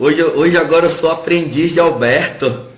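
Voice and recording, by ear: A man's hoarse, put-on character voice, high-pitched and flat in a monotone, at a fairly quick pace over light background noise.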